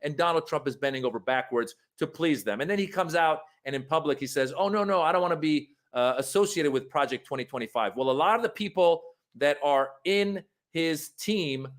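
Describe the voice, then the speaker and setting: A man from Iran giving earnest, argumentative political commentary in a played clip, pausing often with uh and um. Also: a little high, animated.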